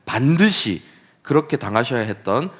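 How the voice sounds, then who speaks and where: A man's voice: mid-range voice, big pitch swings, normal speed, slightly rough. A man preaching a Sunday sermon as pastor, acting out scripture quotes with dramatic emphasis. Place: church sanctuary.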